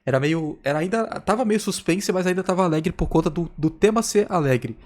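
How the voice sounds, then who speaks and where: Slightly high-voiced Brazilian man chatting casually. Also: animated, a little fast, darkish tone. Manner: slangy, rambling, repetitive storytelling. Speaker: reaction video host. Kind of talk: casual reacting chat.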